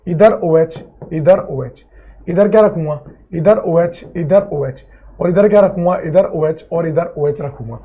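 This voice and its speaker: High-voiced man teaching chemistry. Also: a little slow, warm tone, breathy edge. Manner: repeats phrases, drills students, calls them friend. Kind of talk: classroom lecture at a board.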